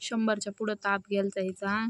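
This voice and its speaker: A woman's voice: mid-range voice, flat delivery, moderate pace, a bit bright, no echo. A woman chatting casually in a family vlog, coaxing her small children. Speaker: vlogger mother.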